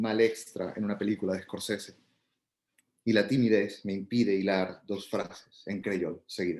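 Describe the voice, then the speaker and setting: A man talks at a moderate pace. His pitch is fairly low and his intonation monotone and flat. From Venezuela. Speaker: poet and academic. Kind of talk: reading aloud.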